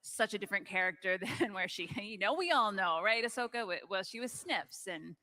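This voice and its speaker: A woman moderates a live fan panel with a bright, forceful tone and a lively, swooping delivery. She gushes and chats between questions. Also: mid-range voice, fairly quick. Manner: gushing, bubbly, chatty.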